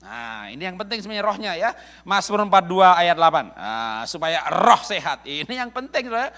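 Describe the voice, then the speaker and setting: A middle-aged male pastor from Indonesia giving a lively, humorous church sermon, often chuckling as he speaks to the congregation. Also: high voice, brisk. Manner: jokey, addresses congregation as "saudara", chuckles often. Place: church service.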